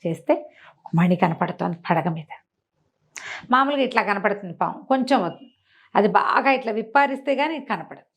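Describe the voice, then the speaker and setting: A woman's voice: mid-range voice, lively intonation, brisk, pauses often. A woman tells a folk tale conversationally, repeating phrases and slipping in small explanatory asides. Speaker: storyteller.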